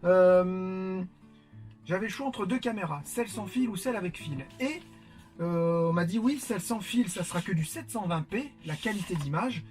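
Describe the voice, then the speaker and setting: A man's voice: high voice, normal speed, soft background music. A man from France chatting casually to viewers while unboxing, with lots of fillers. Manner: chatty, many fillers, warm greetings to viewers. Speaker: vlogger.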